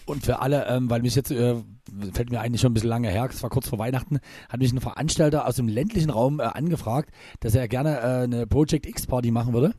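A man co-hosting a podcast in casual chat, with a slightly husky voice, rambling with many restarts and fillers. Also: medium pitch, fast, mellow, no room sound. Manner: rambling, restarts often with filler sounds, chuckles. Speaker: podcast co-host and DJ.

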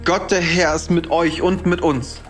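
A man's voice: on the high side, fairly even intonation, unhurried, soft background music, lightly acted. An actor playing a fervent teenage boy preacher in a medieval radio play, solemnly proclaiming his visions. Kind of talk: declamatory sermon in a German radio play.

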